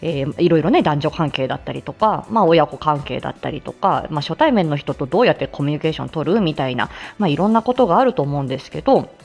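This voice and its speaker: Chatty lively low-voiced woman streaming. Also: fast, gravelly, hardly any pauses, faint music behind. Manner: chatty, many fillers, frequent laughs. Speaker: speech-language therapist hosting a live stream. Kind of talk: casual live-stream chat.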